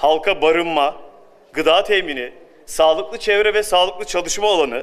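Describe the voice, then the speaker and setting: Here a man talks at a moderate pace. His pitch is high. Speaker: party spokesperson. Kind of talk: press statement. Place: hall. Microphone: podium.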